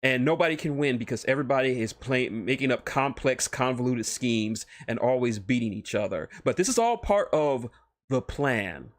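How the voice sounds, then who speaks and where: A man's voice: medium pitch, animated, moderate pace, dry recording. Man rambling on a livestream, close dry sound. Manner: rambling, profane, enthusiastic fan talk. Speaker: streamer, host. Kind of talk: casual livestream chat about fan fiction.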